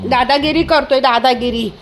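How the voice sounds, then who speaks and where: A woman's voice: high-pitched, normal speed, a little hiss or hum. A woman vlogging casually at home, chatting to viewers and often calling out sharply to her dog.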